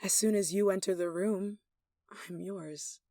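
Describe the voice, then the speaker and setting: A woman's voice: medium pitch, fairly even intonation, measured pace, mellow, no echo, studio quality, close to an everyday voice. A woman acting a lovestruck, possessive young royal in an intimate roleplay, tender and playfully commanding. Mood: tender, infatuated. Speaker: voice actor in an audio roleplay.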